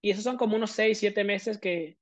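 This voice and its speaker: A Venezuelan man in his thirties with a high voice and a Venezuelan accent speaks a little fast, with no room sound. He is a guest prosthodontist in a casual interview, explaining his career at length with many fillers.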